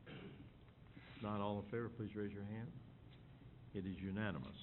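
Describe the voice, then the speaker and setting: A man runs a city commission meeting in a formal, courteous, procedural way, his voice on the low side. The sound is narrow and phone-like, with clear hiss under it. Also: steady tone, a little slow. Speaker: meeting chair.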